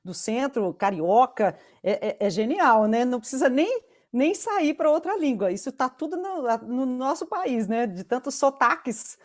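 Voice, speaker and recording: Woman panel moderator from Brazil, slightly high voice, chatty and musing. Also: expressive, measured pace, a little mellow. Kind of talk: casual panel chat.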